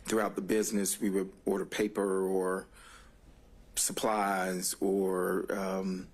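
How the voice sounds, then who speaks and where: A man testifying as a witness in court, speaking formally in a guarded, hesitant and deliberate way. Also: deep voice, completely flat delivery.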